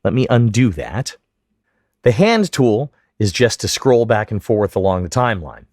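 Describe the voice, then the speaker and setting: A man giving scripted, methodical step-by-step instruction as a software tutorial narrator. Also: fairly low pitch, lively intonation, moderate pace, dry recording, studio quality. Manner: clear, methodical, step-by-step explanation. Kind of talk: scripted instructional narration over screen demo.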